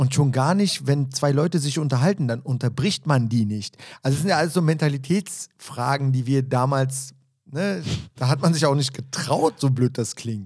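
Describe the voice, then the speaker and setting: A man's somewhat breathy, fairly high-pitched voice at a moderate pace, with ordinary pitch variation, on a very clean recording with a silent background. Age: 40s. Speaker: podcast host and DJ. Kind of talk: casual chat.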